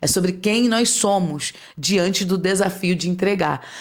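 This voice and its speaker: This woman has a medium pitch. She speaks at a moderate pace. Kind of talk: devotional talk. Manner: clear diction.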